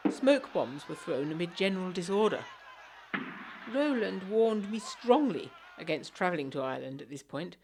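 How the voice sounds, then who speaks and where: A woman's voice: fairly low pitch, vocal fry, darkish tone, heavily acted. An actress playing a genteel, frail young Englishwoman of the 1920s, reading her letter aloud in a formal, earnest, articulate manner for a gothic period audio drama.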